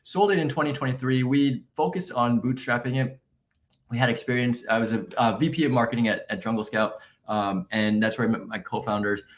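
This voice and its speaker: A man answering interview questions in a relaxed, conversational way with frequent fillers. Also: mid-range voice, fairly quick, a little hiss or hum. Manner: relaxed, many fillers and restarts. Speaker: guest, marketing founder.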